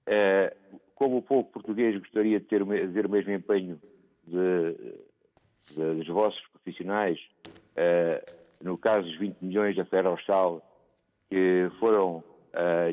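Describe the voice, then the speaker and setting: A man phoning in to a TV talk show to give his opinion, talking haltingly with many fillers and restarts. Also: low voice, no echo. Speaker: phone-in caller. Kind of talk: call-in opinion. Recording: tinny phone line.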